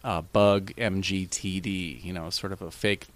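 A man's voice: low-pitched, measured pace. A man telling a long anecdote in casual conversation, with many restarts. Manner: animated, rambling with restarts. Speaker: guest. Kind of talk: casual storytelling.

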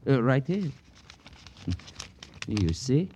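An actor playing a formal, anxiously polite jewelry merchant in old radio drama, with a husky voice and stilted, pompous courtesy. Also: male voice, medium pitch, very animated, very slow, mellow, slight background noise, exaggerated voice. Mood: mournful, formal. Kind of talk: old-time radio crime drama acting.

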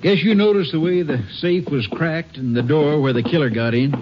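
An actor playing a plain-spoken, uneasy small-town Texas sheriff in a 1950s western radio drama. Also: male voice, fairly high pitch, moderate pace, lightly acted. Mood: subdued, uneasy. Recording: muffled, noisy old radio recording.

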